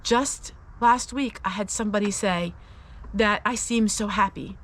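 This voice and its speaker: The host of a faith-based personal vlog, a woman, shares her Christian testimony, encouraging listeners in an earnest, confiding and emphatic manner. Her mid-range voice is fairly bright and unhurried.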